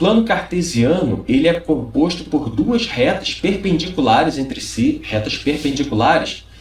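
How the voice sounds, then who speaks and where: A man with a Brazilian accent talks at a fairly high pitch, his pitch swinging very widely. The recording has audible room echo and noticeable background noise. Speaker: math teacher. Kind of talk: lecture.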